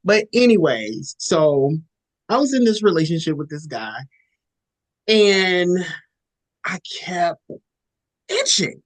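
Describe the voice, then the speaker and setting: Woman co-host, low voice with big swings, animated storyteller who jumps to squeaky quoted voices. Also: slow, pauses often. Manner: acts out quotes in high squeaky voice. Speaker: podcast co-host.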